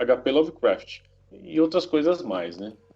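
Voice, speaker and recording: A man talks in a fairly high pitch, keeping a moderate pace. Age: 40s. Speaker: publisher and website founder. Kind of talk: podcast interview.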